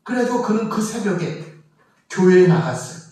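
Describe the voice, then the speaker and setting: Male pastor with a high voice, telling a sermon story with emotional swells, recorded far off in a reverberant church. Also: very animated, normal speed. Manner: storytelling, emotional emphasis, quiet drops in voice for quotes. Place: church sanctuary.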